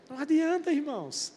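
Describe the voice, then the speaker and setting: A man's voice: extremely high pitch, mellow, a little hiss or hum. A male pastor preaching a sermon, putting rhetorical questions to the congregation. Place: church. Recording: long church-hall reverb.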